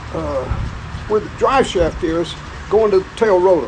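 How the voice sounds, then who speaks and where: A man with a high pitch and very wide pitch swings speaks at a fairly slow pace amid noticeable background noise. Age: 80s+. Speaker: war veteran. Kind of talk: storytelling. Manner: animated.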